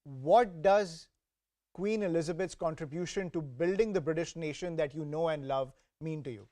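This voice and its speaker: A man's voice: fairly high pitch, moderate pace, mellow, no echo, clean studio sound. A man anchoring live TV news, formal, with hesitant fillers when he turns to questions. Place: TV studio.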